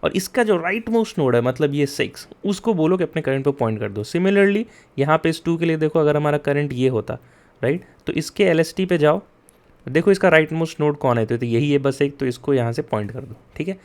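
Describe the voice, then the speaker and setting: Fairly high-pitched yet darkish in tone, a young man teaches coding briskly with lively intonation. His casual explanations mix Hindi and English, full of "yaar" and "theek hai?", and he speaks to students directly, pushing them to take notes.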